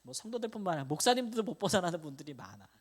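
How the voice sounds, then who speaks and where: A man delivers a midweek Bible lecture as a pastor, talking conversationally with his congregation. His pitch moves around a lot, rising and dipping as he poses questions and answers them himself. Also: big pitch swings, racing. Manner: acts out quoted speech with a raised voice.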